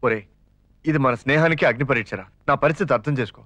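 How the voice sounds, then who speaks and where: An actor playing a fast-talking, scheming young father who pleads and teases his friend in a comic film scene. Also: mid-range voice, a bit bright, dry recording, lightly acted. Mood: pleading. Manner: rapid, jokey, wheedling. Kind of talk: 1990s Telugu film acting.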